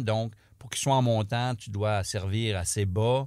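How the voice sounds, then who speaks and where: On a very clean recording with a silent background, someone speaks fairly slowly. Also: man. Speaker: teacher, badminton umpire and comedian. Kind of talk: interview. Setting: studio. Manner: animated.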